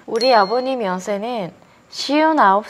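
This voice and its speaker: A woman's voice: on the high side, a little slow, a little hiss or hum. A woman in her twenties, a language student, answering carefully in class practice. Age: 20s. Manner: careful, steady learner speech.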